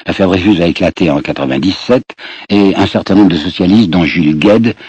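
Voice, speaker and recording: Deep husky man lecturing on history. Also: a little fast, darkish tone, dry recording. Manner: storytelling, addresses listeners directly, repeats words as he searches. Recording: dull lo-fi old radio recording.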